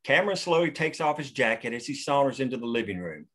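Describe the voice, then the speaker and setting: A man reading screenplay stage directions at a table read in a steady, matter-of-fact way. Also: medium pitch, fast. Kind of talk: reading screenplay action lines.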